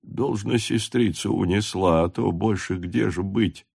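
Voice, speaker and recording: A man reading a quiet, stolid official. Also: deep voice, unhurried, creaky, husky, heavily acted. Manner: quiet, unmoved. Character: stooped, stolid petty official husband.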